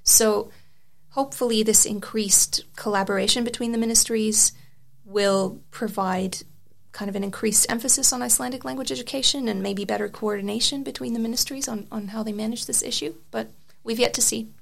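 Woman with a gravelly, creaky voice. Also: a little high, steady tone, a little fast. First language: Serbian. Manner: thoughtful, frequent restarts and fillers. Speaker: interview guest, article author. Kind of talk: conversational interview.

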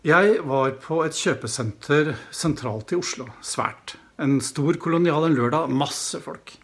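A man's voice: fairly high pitch, fairly bright tone. A middle-aged male pastor telling a story in a sermon, reflective and hesitating now and then.

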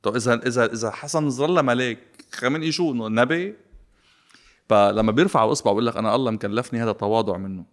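At a medium pitch and a rapid-fire pace, the man, a guest commentator with a Lebanese Arabic accent, discusses politics casually and sarcastically, full of energy and mixing in English phrases.

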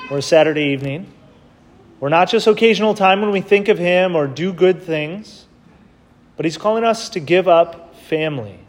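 At Mass, a priest whose voice is somewhat high first gives a measured gospel reading, then delivers an easygoing, plain homily sprinkled with fillers. Everything he says echoes through a large church, with the long reverb typical of a cathedral.

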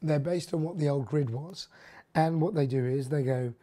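A podcast host with a husky, hoarse voice, half gone, talking through energy news casually, rambling with lots of fillers and opinionated asides. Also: mid-range voice, normal speed, dark tone. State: hoarse, losing voice.

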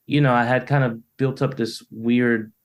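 A middle-aged American poet reflects during an interview held over a video call, speaking loosely with plenty of "you know" and restarts. His voice is medium-pitched and steady, at a moderate pace.

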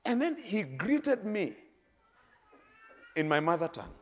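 Animated Kenyan preacher, man. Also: high-pitched, unhurried. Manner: animated, laughing, swinging between quiet and loud. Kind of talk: sermon with storytelling.

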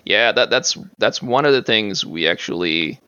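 A man's voice: on the low side, lively intonation, normal speed, bright, forceful tone, clear, resonant tone, no room sound, dull audio. A man whose first language is French, talking as a podcast guest, hesitant, with many fillers and restarts. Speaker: guest, martial arts practitioner. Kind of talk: casual interview talk.

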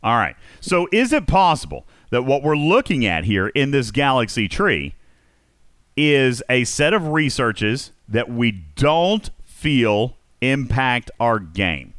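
A man hosting a casual group discussion, asking questions and musing aloud in an animated way. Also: mid-range voice, slow pace, no echo, studio quality. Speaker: podcast host.

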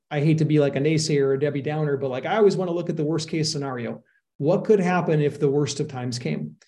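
A middle-aged real estate investor earnestly lays out his cautious approach in a casual podcast chat, leaning on analogies and worst-case thinking. His voice is a little high with a dark tone.

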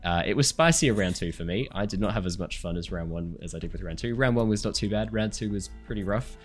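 A man running a tabletop game as dungeon master, slightly hoarse, chatty and apologetic while he sets up the session and reads the recap. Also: fairly low pitch, quick pace, soft background music. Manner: chatty, apologetic, laughing between remarks. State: hoarse after illness.

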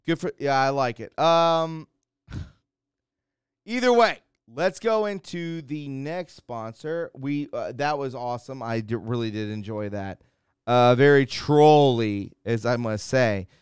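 A man's voice: medium pitch, a little slow, clean tone, no room sound, clean studio sound. A man hosting a casual live-stream show, loose and rambling, reading news aloud. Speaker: host.

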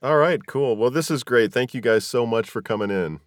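A man's voice: mid-range voice, moderate pace, dry recording, studio quality. A man hosting a podcast in a conversational interview style. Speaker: podcast host.

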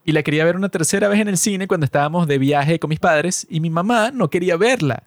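A man's voice: on the high side, fast, dry recording, studio quality. A man co-hosting a podcast from Latin America, telling stories in a joking, mock-boastful, slangy way. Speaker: podcast co-host. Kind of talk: casual podcast chat.

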